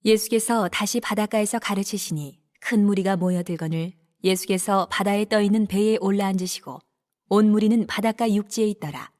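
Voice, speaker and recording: Woman narrator, scripture reading, steady even delivery, mid pitch. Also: moderate pace.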